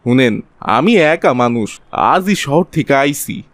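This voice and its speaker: A man's voice: medium pitch, expressive, slow, no echo. A man playing a scheming city profiteer in a cartoon, with a Bangladeshi accent and a wheedling, colloquial, exaggerated way of talking. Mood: persuasive. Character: scheming city man, sly profiteer spreading virus panic. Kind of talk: Bengali cartoon voice acting.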